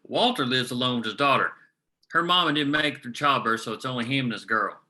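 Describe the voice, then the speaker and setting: A man playing a gruff, world-weary, foul-mouthed veteran coal miner in a screenplay table read, with a sardonic, folksy delivery. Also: mid-range voice, fast, sharp tone. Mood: wry gossip.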